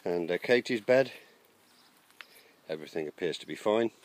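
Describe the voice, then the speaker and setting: A man's voice: deep voice, lively intonation, moderate pace, darkish tone. A man casually narrating a walk around his garden allotment, talking hesitantly with many ums and uhs, recorded outdoors on a handheld camera. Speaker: allotment vlogger.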